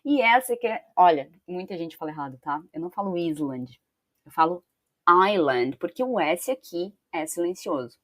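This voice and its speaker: A woman's voice: fairly low pitch, animated, dry recording. Brazilian woman teaching English pronunciation. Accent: Brazilian Portuguese. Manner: models English words slowly, repeating them. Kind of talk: online pronunciation lesson.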